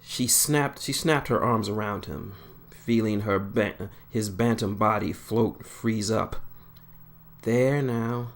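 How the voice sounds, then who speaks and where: Creaky low-voiced man narrating a story. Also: fairly even intonation. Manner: unhurried, plain storytelling with small slips. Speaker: author reading his own story. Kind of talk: fan fiction narration.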